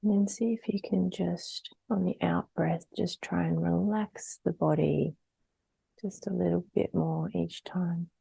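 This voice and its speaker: A woman leading a guided meditation in a soft, breathy, gentle voice, unhurried and trailing towards a whisper between long pauses. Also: on the low side, fairly even intonation, dry recording, low-quality recording.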